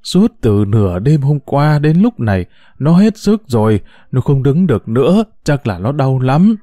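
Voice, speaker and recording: A man's voice: mid-range voice, very animated, a little slow, dark tone, no echo, studio quality. A man voicing a tearful middle-aged village woman who pleads in a choked voice, in a storybook reading.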